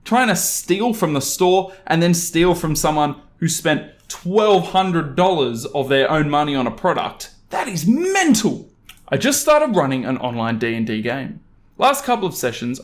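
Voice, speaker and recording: A young man from Australia reads online stories as a host, adding casual, animated and exasperated commentary. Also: fairly high pitch, unhurried. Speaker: YouTube host reading Reddit stories. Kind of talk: story reading with casual commentary.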